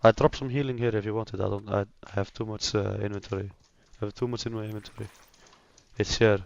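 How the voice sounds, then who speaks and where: Joking Icelandic-born gamer on headset. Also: male voice, on the low side, fairly even intonation, quick pace, gravelly, darkish tone, no room sound, muffled recording. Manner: joking, playing dumb, self-assured banter. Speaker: streamer. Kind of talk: casual gaming chat.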